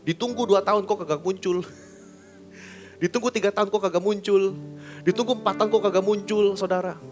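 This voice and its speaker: High-voiced pastor preaching. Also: male voice, normal speed, faint music behind. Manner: lively, colloquial, acts out voices with big swings in pitch and volume. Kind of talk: sermon. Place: church service.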